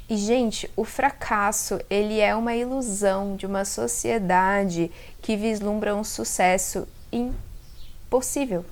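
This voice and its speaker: With a medium-pitched voice and the caipira r of inland São Paulo, Brazil, a woman in her thirties speaks to camera in a laid-back, reflective vlog. A self-leadership content creator, she's expressive and conversational and often talks right to her viewers.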